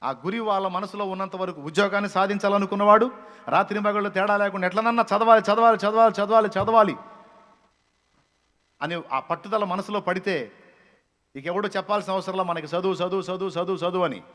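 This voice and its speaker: Fiery high-voiced man preaching in a hall. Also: a little fast. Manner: scolding, repetitive, builds to shouted rebukes. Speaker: pastor. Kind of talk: fiery motivational sermon.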